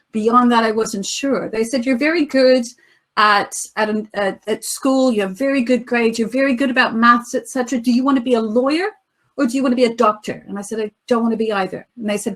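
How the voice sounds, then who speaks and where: A woman with an American accent, fairly high pitch, fairly even intonation and a fairly quick pace. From United States. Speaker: tech diversity speaker. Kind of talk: conference presentation.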